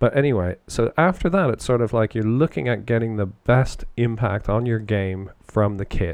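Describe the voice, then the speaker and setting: With a Canadian accent and an ordinary speaking voice, a man talks at a moderate pace and medium pitch, using lively intonation and hardly any pauses. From Canada, London, Ontario area. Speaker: podcast host. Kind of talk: casual chat.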